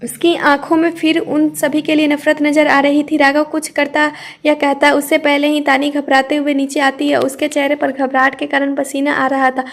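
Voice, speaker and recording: Woman narrator for an audio story: high, level, unhurried reading. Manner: steady reading with small slips and restarts.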